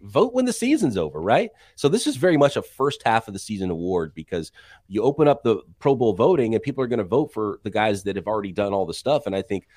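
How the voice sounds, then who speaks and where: A man co-hosting a sports podcast, chatting casually and sharing strong opinions with quick asides. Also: on the low side, sing-song, darkish tone, no room sound. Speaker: podcast co-host.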